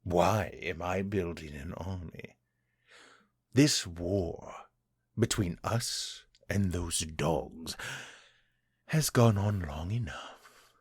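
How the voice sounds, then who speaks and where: An actor playing a cruel, centuries-old vampire lord who taunts his captive, speaking in a husky, condescending way. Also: sits low, dry recording, studio quality, exaggerated voice. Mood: contemptuous. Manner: taunting, condescending, slow and deliberate. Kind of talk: audio drama, one-sided dialogue.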